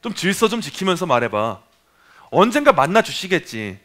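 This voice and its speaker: A man voicing an irritated bystander who impatiently scolds someone for being too loud. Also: high voice, very animated, moderate pace. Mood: scolding.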